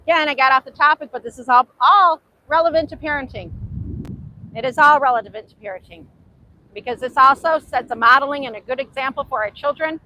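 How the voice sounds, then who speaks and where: A woman's voice: sits high, brisk, pushed and bright, low-quality recording. A woman with a Hungarian accent, whose first language is Hungarian, giving an earnest faith-based talk outdoors at a beach. She repeats herself often and overpronounces her words with care. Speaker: author and host. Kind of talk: motivational faith talk to camera.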